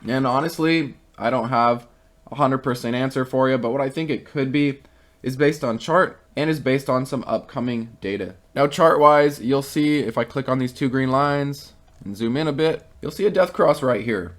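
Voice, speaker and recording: A man's voice: medium pitch, normal speed. A man who is losing his voice talks casually through stock charts and market news for his viewers, reading out a company statement and then giving his own opinions. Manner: conversational, reads quotes then gives opinions.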